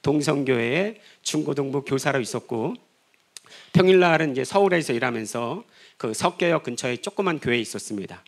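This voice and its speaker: A man's voice: mid-range voice, animated, brisk, gravelly. A middle-aged man, a pastor, preaching a sermon and telling his own story with rhetorical questions and acted-out dialogue. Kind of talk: sermon testimony. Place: church sanctuary.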